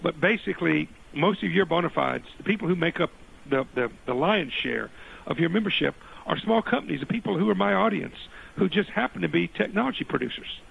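A man hosting a radio interview in a rough, gravelly, hoarse voice, repeating phrases for emphasis. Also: fairly high pitch, expressive, brisk, a bit bright, rough recording. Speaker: radio talk show host.

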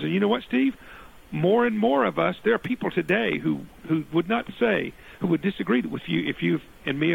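A man hosting a radio interview in a rough, gravelly, hoarse voice, repeating phrases for emphasis. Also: on the high side, poor audio. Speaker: radio talk show host.

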